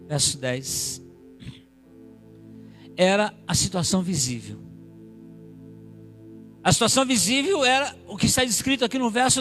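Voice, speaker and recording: A man's voice: high-pitched, fairly bright tone. A man pastor preaching a sermon in church, reading scripture and building up with emphatic repetitions.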